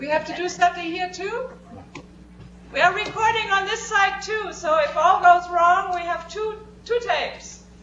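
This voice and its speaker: Audible room echo carries a woman's extremely high voice, which shows ordinary pitch variation. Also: moderate pace. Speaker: architect, professor. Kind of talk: lecture.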